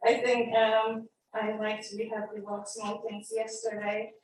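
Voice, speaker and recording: A woman's voice: a little high, completely flat delivery, measured pace. A young adult woman introducing herself on a panel, chatty and full of fillers and little laughs. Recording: echoey distant room mic, faint noise.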